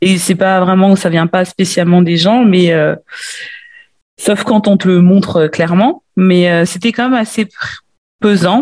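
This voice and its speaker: With long, frequent pauses, a woman speaks at a fairly slow pace and medium pitch, with ordinary pitch variation and very even loudness. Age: 30s. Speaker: business lawyer and coaching client. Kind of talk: interview. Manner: halting.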